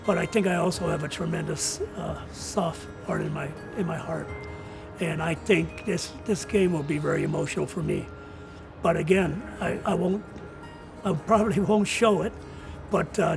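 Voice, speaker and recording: Older male coach in an interview: high voice with heavy fry, earnest and deliberate. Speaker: retiring college soccer coach. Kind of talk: reflective interview answers.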